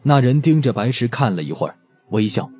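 A man narrating an audiobook story in an expressive, scripted storytelling style. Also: medium pitch, a little fast, slightly rough. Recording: music behind the voice.

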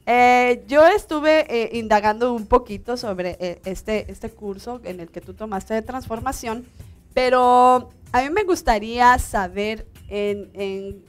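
A woman in her thirties from Mexico hosting a studio interview, chatty and quick to laugh. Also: fairly high pitch, clear, resonant tone, soft background music. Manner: laughs often, warm and chatty. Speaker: talk show host. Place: small TV studio.

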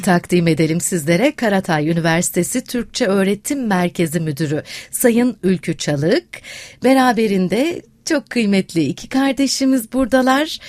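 A woman's voice: mid-range voice, animated, normal speed, darkish tone, dry recording. A woman hosting a broadcast interview with courteous, effusive phrasing. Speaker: programme host.

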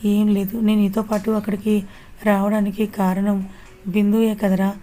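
A woman's voice: medium pitch, little pitch movement, moderate pace, mellow, close to an everyday voice. A woman voicing Bhaskar, an anxious loyal friend. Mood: remorseful. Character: worried loyal young male friend.

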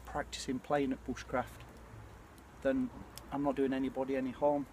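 A man's voice: medium pitch, level tone, normal speed, darkish tone. British man chatting over outdoor noise. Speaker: bushcraft vlogger. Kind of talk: casual reflective chat to camera. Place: outdoors at night by a small campfire. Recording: clear ambient noise of an outdoor campfire.

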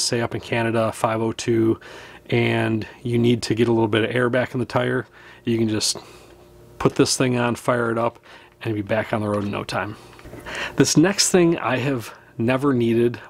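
A fishing channel host in his thirties talks straight to the camera about what to pack for a fishing trip, in a small indoor room with a wood-panel wall. His middle-pitched voice is easygoing and practical, with small chuckles here and there.

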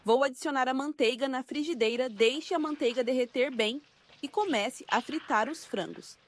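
High-pitched Brazilian woman narrating a recipe. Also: moderate pace. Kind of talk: scripted cooking tutorial narration.

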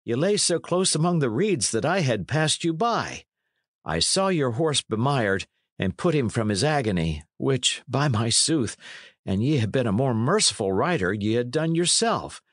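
A man's voice: medium pitch, sing-song, moderate pace, no echo, clean studio sound, pitched above the performer's own voice. A man voicing a blunt, kindly young adventurer in a storybook, with hearty archaic speech. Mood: brisk, frank. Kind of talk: storybook character reading.

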